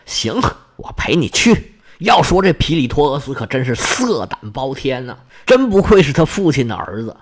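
A man's voice: medium pitch, sing-song, moderate pace, hardly any pauses. A man telling an ancient myth in a traditional oral storytelling style, colloquial and dramatic.

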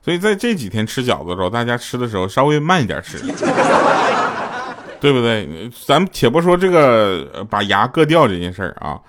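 Lively joking man, noisy stream. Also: mid-range voice, brisk. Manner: animated, laughing, acts out dialogue in raised voices. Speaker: livestream host telling jokes. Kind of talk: casual comic storytelling. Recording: loud background noise with clicks.

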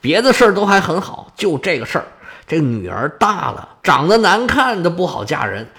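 A man's voice: high voice, sing-song, normal speed, fairly bright tone, heavily acted. A man voicing a fretful old king. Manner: sighing, exasperated complaining. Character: worried old male king, fretful and eager.

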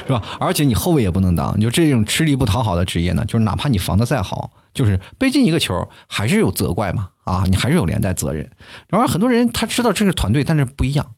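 A young man hosting a comic talk show, telling stories with animated delivery and acting out the people he quotes in a high voice. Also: fast, husky. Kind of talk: stand-up style comic monologue.

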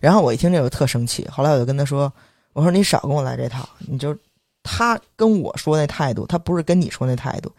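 A man's voice: a little high, no echo, studio quality. A young man, heavy erhua, telling a story in casual podcast chat. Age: young adult. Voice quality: heavy erhua, quick lively delivery. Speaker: podcast co-host.

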